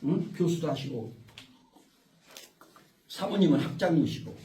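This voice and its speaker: Lecturing informally to a small group, a man rambles along while the audience frequently cuts in. His voice is on the high side and dark, with lively intonation and a slightly slow pace. The sound is echoey, recorded far from the microphone.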